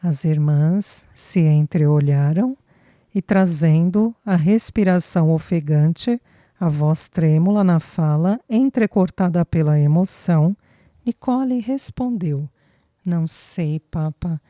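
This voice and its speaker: A woman reading a novel aloud as an audiobook narrator, in measured storytelling. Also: on the low side, dark tone, no echo, studio quality. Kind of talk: scripted narration.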